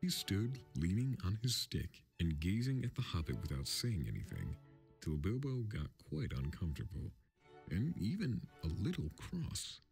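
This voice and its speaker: A man's voice: deep voice, wildly swooping pitch, normal speed, vocal fry, darkish tone. A man reading a fantasy storybook aloud as scripted narration, in the role of storyteller. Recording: film score music underneath.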